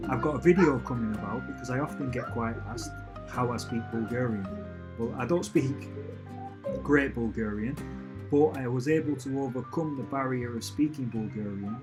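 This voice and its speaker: Speaking over music in a mid-range voice at normal speed, a man hosts a casual live stream from home, with family and a cat nearby. He answers viewers' live questions in an upbeat, rambling way, often restarting his sentences.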